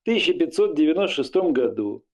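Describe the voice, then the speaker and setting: A combative man with a somewhat high voice cuts in and talks over the other speaker. He trips over fillers and restarts, then pushes on insistently. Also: big pitch swings, quick pace. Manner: combative, interrupts, hesitant fillers. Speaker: passer-by in debate. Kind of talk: heated street argument.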